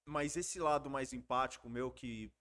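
A man from Brazil telling stories from his youth in a casual podcast chat, slangy and animated. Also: medium pitch, moderate pace. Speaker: podcast guest.

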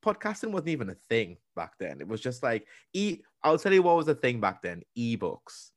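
A man in his thirties from Trinidad with a Trinidadian accent, telling stories in a casual podcast chat, talking fast and restarting his sentences often. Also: medium pitch, huge pitch swings, dry recording, clean studio sound. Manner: fast, rambling, with many restarts.

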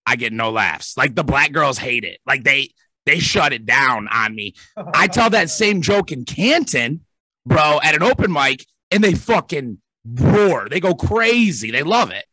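A man's voice: fairly high pitch, sing-song, measured pace, pushed and bright, dry recording, poor audio. A man co-hosting a podcast, talking bluntly and profanely in casual chat. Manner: blunt, profane, says "bro" a lot.

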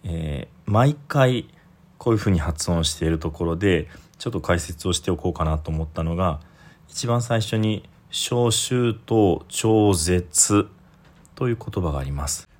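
Low-voiced man giving a Buddhist talk. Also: animated, a little slow. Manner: patient, explanatory, frequent soft fillers. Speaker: Buddhist priest.

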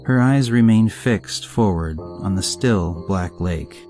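A man's voice: low voice, slow pace. A man narrating a horror story in a somber, reflective tone. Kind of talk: scripted narration. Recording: narration over music.

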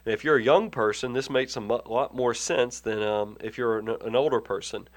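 A man's voice: medium pitch, moderate pace. A man hosts a personal finance program while nursing a head cold. He explains tax rules in an earnest, conversational way, often restarting and repeating words as he works through a point. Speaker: financial advisor hosting a money show. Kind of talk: conversational radio-style advice.

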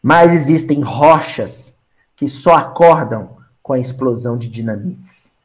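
A man with a Brazilian accent teaching a Spiritist gospel study, animated, acting out small scenes and repeating phrases for emphasis. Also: mid-range voice, a little slow. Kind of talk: spoken gospel study lesson.

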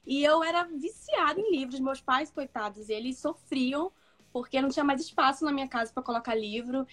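A young comics editor from Manaus speaks with a northern Brazilian accent. Her voice sits high, and she talks in a loose, chatty way, full of fillers and quick laughs. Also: a bit bright. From Manaus, Amazonas, northern Brazil. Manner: chatty, laughs often, many fillers and restarts. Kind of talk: casual interview chat.

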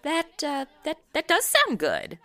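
Sassy, bright, animated young woman. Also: high voice, unhurried, faint music behind, exaggerated voice. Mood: indignant, flustered. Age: 20s. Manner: flippant, expressive. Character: sassy, slangy modern twenty-something woman turned detective. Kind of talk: comedy audio drama dialogue and narration.

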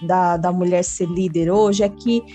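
A woman's voice: fairly low pitch, steady tone, unhurried, warm tone. A woman with a Brazilian Portuguese accent hosting a casual Christian podcast, chatty and full of tag questions. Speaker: podcast host. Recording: faint background music.

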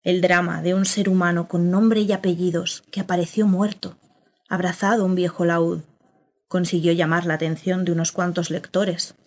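A woman voices a journalist narrating her own story in a radio play. Her voice sits low, and she reflects in a quiet, faintly bitter tone. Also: flat delivery, normal speed. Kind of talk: scripted first-person drama narration.

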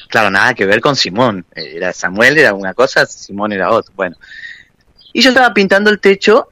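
A young man with a Rioplatense Spanish accent tells a personal story on the radio, lively and often laughing. He acts out the voices of the people in his story. The sound is very dry and close. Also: medium pitch, dry recording. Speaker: guest. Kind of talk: storytelling anecdote.

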